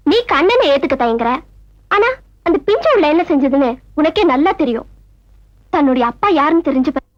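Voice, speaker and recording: Very high-voiced sister arguing earnestly, old movie sound, bit muffled. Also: female voice. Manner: earnest, persuasive. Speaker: younger sister giving advice. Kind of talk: film melodrama dialogue. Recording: dull film soundtrack with music behind.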